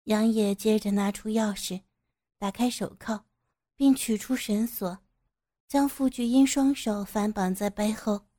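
A woman narrating an audio story in a steady, even storytelling manner. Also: medium pitch, a little slow.

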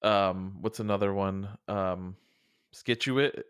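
Chuckling low-voiced co-host man. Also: animated, moderate pace, dry recording, clean studio sound. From Massachusetts. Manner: joking, chuckling banter. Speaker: podcast co-host. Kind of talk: casual chat.

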